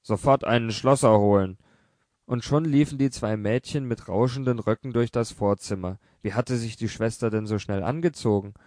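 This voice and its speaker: A male narrator reads a literary audiobook in a measured, even manner. His voice sits in an ordinary middle register. The recording is close and completely dry. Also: mid-range voice, no echo.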